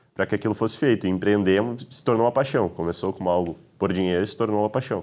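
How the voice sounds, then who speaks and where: In a very clean recording with a silent background, a man with a fairly low pitch and ordinary pitch variation speaks at a very fast pace. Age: young. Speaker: young entrepreneur. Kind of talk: interview.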